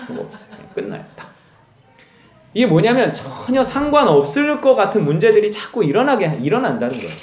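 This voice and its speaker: A man preaching a Sunday sermon with a lively, swinging voice that sits a little high. He tells stories and acts out dialogue with plenty of laughter. The sound carries the echo of a church hall. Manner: animated storytelling, acts out quoted dialogue, laughs often. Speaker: pastor. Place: church sanctuary.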